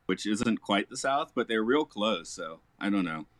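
Chatty low-voiced man on a podcast. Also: animated, normal speed, no echo. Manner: chatty, laughs often, rambling restarts. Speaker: podcast host, English teacher. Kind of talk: casual podcast chat. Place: lives in Japan.

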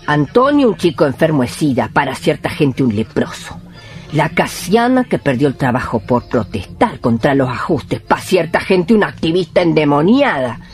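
An actress playing a bossy, earthy older neighbourhood healer with an Argentine accent in a radio play, coaxing and commanding. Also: female voice, sits low, big pitch swings, moderate pace, a little mellow. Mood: indignant, tender. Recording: music playing behind the voice.

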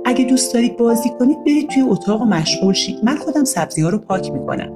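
A woman's voice: a little high, big pitch swings, music in the background, voice pushed up. A woman narrator voicing a hospitable, polite aunt in a children's story. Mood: welcoming. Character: warm, welcoming aunt.

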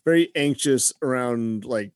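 Man co-host, mid pitch, hesitant filler-heavy talker, dry recording. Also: measured pace, smooth, no room sound. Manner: hesitant, lots of "like" and "you know". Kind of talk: casual brainstorming chat.

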